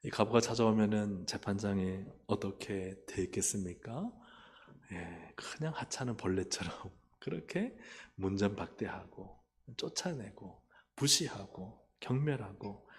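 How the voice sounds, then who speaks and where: A man pastor preaching a lively sermon, calling for amens and asking the congregation questions. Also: fairly low pitch. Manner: acts out quoted voices and asks the listeners questions. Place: church sanctuary. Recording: long church hall reverb.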